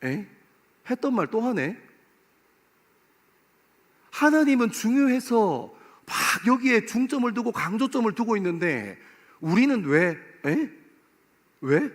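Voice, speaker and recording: A pastor in his forties preaching to a young adults service in a church, playful and lively, acting out little scenes. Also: high-pitched, slow, pauses often. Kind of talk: sermon. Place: church sanctuary. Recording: long hall reverb.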